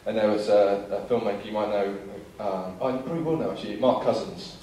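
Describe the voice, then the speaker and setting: A man's voice: on the low side, fast, slight background noise. 40s guy filmmaker doing a seminar talk, acts out what people said, far off mic in a super echoey hall. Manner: lively storyteller who acts out other people's lines.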